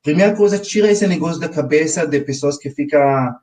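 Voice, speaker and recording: A man in his forties with an Israeli accent teaches a live online money class, speaking slightly higher than most men. He keeps turning to his viewers with quick "ok?" check-ins. His voice sits a little back from the microphone. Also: a little mellow, distant mic. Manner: talks straight to his audience, often checking in with "ok?". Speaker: financial educator. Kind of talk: live webinar lesson.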